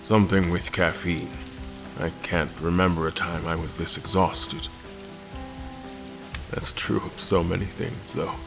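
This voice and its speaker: Exhausted polite admiral, deep voice, formal measured delivery, audio drama narration, soft music bed. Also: male voice, little pitch movement, creaky. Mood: tired, wry. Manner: formal, measured, world-weary. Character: weary polite male admiral narrating his haunting ordeal. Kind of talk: first-person audio drama narration with dialogue.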